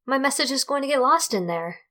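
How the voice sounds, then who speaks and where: A woman's voice: high-pitched, lively intonation, fairly quick, bright, forceful tone. A woman playing an exasperated, practical young character in an audio drama, speaking bluntly.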